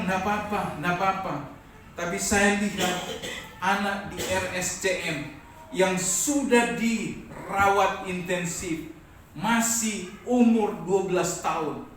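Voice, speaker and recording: A high-voiced male pastor preaches slowly, drawing out his words and calling for amens. His voice rings through a big echoey church hall, picked up from some distance away from the mic. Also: steady tone, a little hiss or hum. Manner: preaching with call-and-response amens. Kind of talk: sermon.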